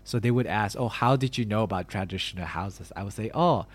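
A man's voice: on the low side, fairly quick. A young man in a casual conversation as host, rambling along with lots of "like" and "you know". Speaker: podcast host interviewing a friend. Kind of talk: casual chat.

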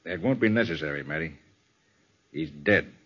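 An assured private detective in an old radio crime serial. He speaks with forceful, widely swinging intonation and brisk authority, through a dull vintage recording. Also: rumbling low, animated, over loud music. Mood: grave, focused. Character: confident, commanding male private detective. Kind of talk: 1940s radio crime drama acting.

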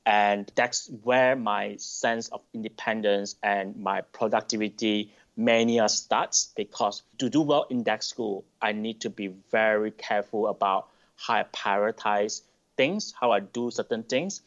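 A middle-aged man from Malaysia, answering interview questions thoughtfully, with pauses and restarts. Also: on the low side, steady tone. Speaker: podcast guest. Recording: dull lo-fi sound.

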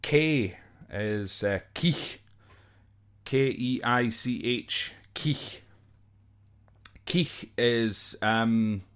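A man's voice: on the low side, fairly bright tone, clear, resonant tone. A Scottish man informally explaining slang from a list, off the cuff and hesitantly, sometimes spelling words out. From Scotland. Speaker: podcast host.

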